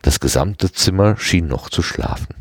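A man reading a story aloud in an expressive manner, giving each character a voice. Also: deep voice, normal speed, vocal fry, husky, no echo, studio quality. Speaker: audiobook reader.

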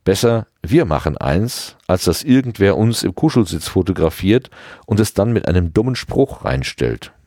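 A man reading aloud and voicing a teasing young woman in a raised, lively voice. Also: low voice, normal speed, no room sound, clean studio sound, heavily acted. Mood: teasing, amused. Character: young woman, hotheaded, combative teen girl.

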